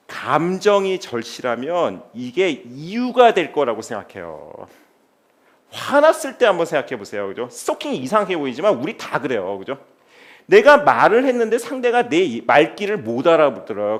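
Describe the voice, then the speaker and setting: A middle-aged man, a philosophy teacher, giving a lively lecture to a studio audience and often putting rhetorical questions to them. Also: on the high side. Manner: animated, keeps asking the audience rhetorical questions.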